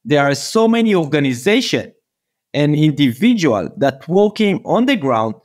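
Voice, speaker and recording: Higher-pitched Israeli man, halting delivery. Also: sing-song, darkish tone. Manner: halting, earnest, repeats words. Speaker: interview guest, peace activist. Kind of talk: conversational, personal testimony.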